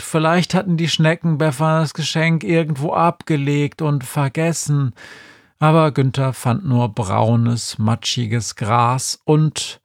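A man narrating a children's audiobook in a wry, deadpan storytelling manner. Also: mid-range voice, vocal fry, dry recording, studio quality.

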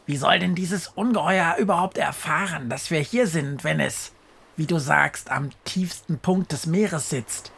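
Günther, a man doing a gravelly talking crow. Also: on the high side, a bit bright, pitched above the performer's own voice, heavily acted. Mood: cheeky. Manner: pert, questioning, quick to panic. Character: cheeky talking male crow. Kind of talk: storybook voice acting.

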